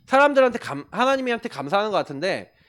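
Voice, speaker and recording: A man's voice: sits high, fast. A male pastor giving a sermon to young people, telling stories with energy, speaking to listeners directly and answering his own questions. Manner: animated storytelling, addresses listeners directly and calls himself the pastor; poses questions and answers them himself.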